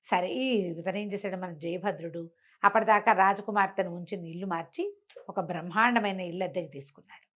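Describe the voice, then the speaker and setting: A woman with a Telugu accent tells a folk tale in an animated, conversational style, putting questions to her listeners and answering them herself. Her voice is lowish, and she speaks a little fast.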